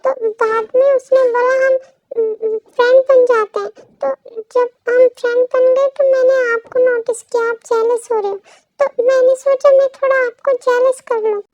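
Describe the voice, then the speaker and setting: A woman's voice: very high voice, little pitch movement, a little slow, a little mellow, no echo, muffled recording, soft background music, pitched above the performer's own voice. A woman voicing a playful young husband who teases his partner and then begs her forgiveness, in a pleading, coaxing manner. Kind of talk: storybook role reading.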